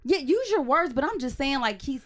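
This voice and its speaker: A woman co-hosting a podcast, blunt and quick to cut in during casual group chat. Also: high voice, big pitch swings. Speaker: podcast co-host.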